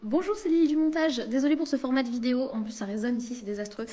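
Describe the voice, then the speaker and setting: A tired woman from France chats casually to the camera in a strongly echoing room, quick and full of hesitations. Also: high voice, dark tone. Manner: chatty and quick, with frequent hesitations. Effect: strong echo of a resonant room. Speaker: video creator.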